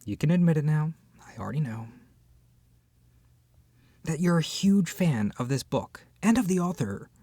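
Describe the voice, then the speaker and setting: A performer in a scripted audio roleplay, speaking to the listener as a flustered, opinionated book club member, expressive and hesitant with sighs and whispered asides. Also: medium pitch, moderate pace, long pauses, no echo. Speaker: ASMR roleplay voice actor. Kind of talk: scripted audio roleplay, acted as one side of a conversation addressed to the listener.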